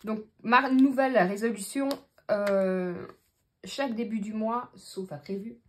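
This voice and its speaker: In a relaxed to-camera vlog, a Belgian French woman tallies up her budget while musing out loud, leaning heavily on fillers. She speaks a touch slowly in a mid-range voice with fairly even intonation.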